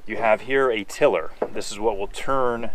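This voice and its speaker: A man's voice: fairly low pitch, normal speed, a little hiss or hum. Patient man teaching sailing basics. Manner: patient, explanatory, asks and answers own questions. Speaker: sailing instructor. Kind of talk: hands-on instructional walkthrough. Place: outdoors on a small sailboat at a dock.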